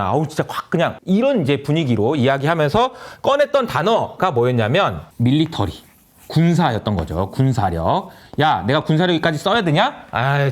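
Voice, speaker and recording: A middle-aged man talking through markets to camera in a lively way, and often slipping into acted-out dialogue. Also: on the high side. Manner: lively, acts out dialogue between countries and companies. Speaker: investment lecturer. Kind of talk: solo investment commentary to camera.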